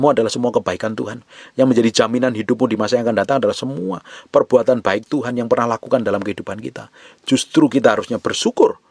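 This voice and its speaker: A man preaching a sermon, dropping to near whispers and then rising to loud, emphatic lines. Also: lowish voice, no echo. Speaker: pastor.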